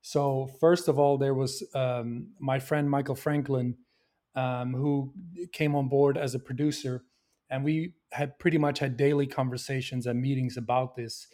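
A man from Belgium answers questions about his film in a mid-range voice. He talks earnestly and thoughtfully, often pausing with fillers and restarting his sentences. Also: medium pitch, level tone, dark tone. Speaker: filmmaker. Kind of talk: interview answers.

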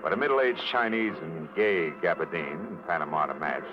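Deep-voiced hard-boiled American radio detective. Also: male voice, animated, moderate pace. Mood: wry, watchful. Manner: wry, clipped, tough-talking. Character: hard-boiled, wry male private detective, impatient and sardonic. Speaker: lead actor and narrator. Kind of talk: 1940s-50s radio noir narration and acting. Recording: muffled old radio recording, loud music behind.

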